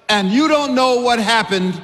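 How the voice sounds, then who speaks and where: Slow, measured preacher in an echoing hall. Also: male voice, very high-pitched, fairly bright tone. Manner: slow, deliberate, short phrases paused for translation. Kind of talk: sermon with interpreter. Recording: reverberant hall.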